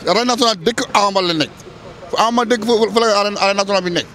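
A young man answering a street interview outdoors, talking loudly and emphatically into handheld mics. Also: high-pitched, very fast. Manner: loud, emphatic and animated. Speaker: passer-by interviewee. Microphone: handheld reporter mics held close.

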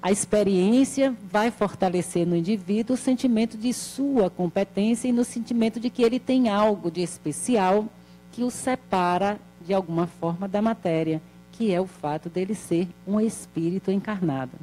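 Speaking into a handheld microphone from a table in a small hall, a woman in her sixties gives a calm spiritual talk. Her measured explanations include rhetorical questions, her pitch is medium, and there's slight hiss or hum.

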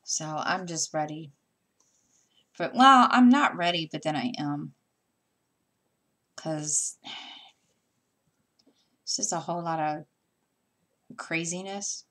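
A woman's voice: sits low, slow, pauses often, a bit bright. A middle-aged woman chatting casually at home while she stitches, rambling with plenty of fillers and restarts. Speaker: stitching vlogger. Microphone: camera mic.

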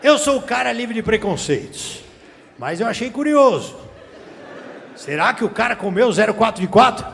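This Brazilian comedian has a high, sing-song voice with vocal fry and a fairly bright tone, moving at a moderate pace. Onstage in a theater with a handheld mic, he teases the audience in profane slang. The space is reverberant with faint room noise, and the crowd laughs.

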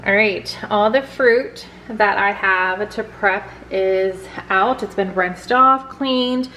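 A woman's voice: medium pitch, takes it slowly, pushed and bright, a little hiss or hum, low-quality recording. Chatty woman vlogging in her kitchen. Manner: chatty, addresses viewers directly. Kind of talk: casual kitchen vlog narration. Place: home kitchen, indoors.

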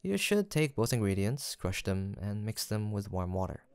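A man playing a gentle, kindly young village apothecary in a soft roleplay audio drama, speaking politely and formally with attentive reassurance. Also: lowish voice, very animated, normal speed, clear, resonant tone, dry recording. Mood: caring, courteous.

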